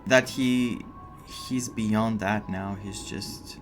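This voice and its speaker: A man's voice: fairly low pitch, steady tone, takes it slowly. A man giving casual, opinionated reaction commentary on a story game, emotionally invested in what he watches. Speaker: game streamer. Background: faint game music.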